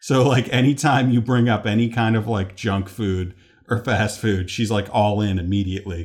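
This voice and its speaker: This man's voice is somewhat breathy and fairly low in pitch, with fairly even intonation. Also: moderate pace. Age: 30s. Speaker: freelance animator. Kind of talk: casual chat.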